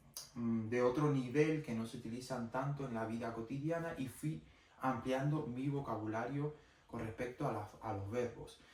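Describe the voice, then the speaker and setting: His pitch is medium with ordinary variation as this man talks at a moderate pace. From Cuba. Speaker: language-learning vlogger. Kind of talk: casual vlog monologue. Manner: hesitant, with fillers and self-corrections.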